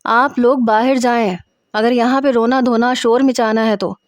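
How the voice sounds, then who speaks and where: A woman's voice: fairly high pitch, steady tone, dry recording, close to an everyday voice. Stern librarian in a storybook reading, curt and scolding , as a woman narrator puts her on, dry close sound. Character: stern female college librarian.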